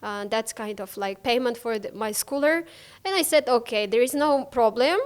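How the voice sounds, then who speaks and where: The recording is very clean, with a silent background. A woman talks at a high pitch. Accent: Kazakh. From eastern Kazakhstan. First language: Kazakh. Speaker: travel vlogger. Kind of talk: interview. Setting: podcast. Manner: halting, many fillers.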